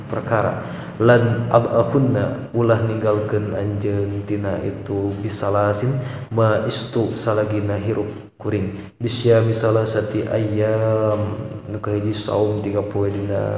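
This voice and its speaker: A man speaks at a very slow pace in a West Javanese accent, with a fairly low pitch. His intonation is flat and monotone, and there is noticeable background noise. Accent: Sundanese. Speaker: Islamic religious teacher. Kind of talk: religious lecture on hadith.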